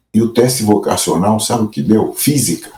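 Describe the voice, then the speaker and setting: The man's voice is dark and mellow, fairly low, and somewhat breathy. He keeps a moderate pace. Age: 70s. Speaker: economics professor. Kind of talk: interview.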